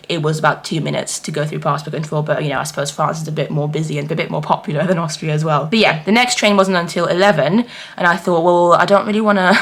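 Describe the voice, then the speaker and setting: Fast-talking woman vlogger, lowish voice. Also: fairly bright tone. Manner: chatty, rambling, informal. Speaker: travel vlogger. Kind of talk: casual vlog chat to camera.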